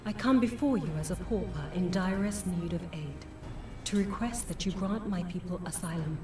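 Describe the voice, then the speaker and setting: A woman playing a dignified, solemn noblewoman in a fantasy game, speaking formally and with measured courtesy. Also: on the low side, close to an everyday voice. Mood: solemn, humble. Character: dignified, solemn foreign noblewoman pleading for refugees. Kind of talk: scripted fantasy game acting. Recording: roomy, distant game audio under music.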